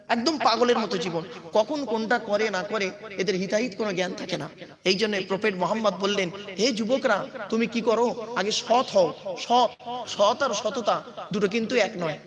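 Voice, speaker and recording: A man preaching at a religious gathering, emphatic, quizzing the crowd and calling out to his listeners. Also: sits high. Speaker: Islamic preacher and school teacher. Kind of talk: Bengali waz sermon to a crowd. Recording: crowd noise behind.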